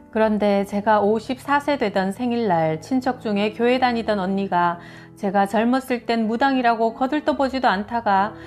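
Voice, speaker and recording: A woman narrator reads a scripted first-person story in a fairly high voice. Her delivery is measured and clearly read aloud, with faint music underneath. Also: darkish tone. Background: background music.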